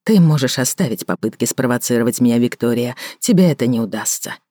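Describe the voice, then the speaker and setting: A woman narrator voicing a calm, restrained man who speaks quietly and in a measured way. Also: extremely low pitch, dry recording, studio quality. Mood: restrained, soft. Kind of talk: audiobook character voicing.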